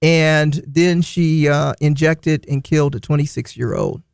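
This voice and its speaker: A man's voice: a little high, measured pace, gravelly, smooth, no echo, studio quality. A man hosting a morning radio show, chatting playfully and telling a news story with frequent laughs. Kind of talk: casual radio banter. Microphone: studio microphone.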